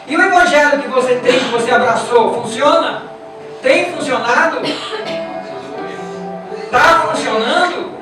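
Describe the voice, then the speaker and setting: A Brazilian pastor preaches a sermon in a very high voice with a Brazilian Portuguese accent, a little slow with long pauses. Emphatic and repetitive, he puts rhetorical questions to his congregation, recorded far from the mic in an echoey church with music.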